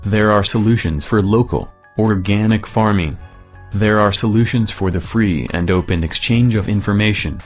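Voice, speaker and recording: A man's voice, disguised by being shifted down into a low, deep register, reads a scripted statement in a steady, declamatory cadence. Faint music runs underneath the voice the whole time. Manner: measured, declamatory delivery. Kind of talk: scripted political statement read aloud.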